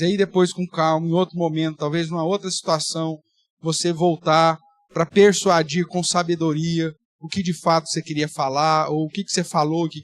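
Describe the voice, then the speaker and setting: A man's voice: fairly high pitch, dry recording, clean studio sound. A man, a pastor teaching a Bible study in a conversational way with playful exaggeration. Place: church.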